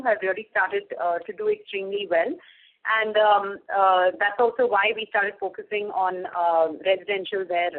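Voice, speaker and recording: A woman with an Indian accent answering as a company executive on an earnings call, measured and business-like. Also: medium pitch. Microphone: telephone conference call. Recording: tinny, narrow phone line.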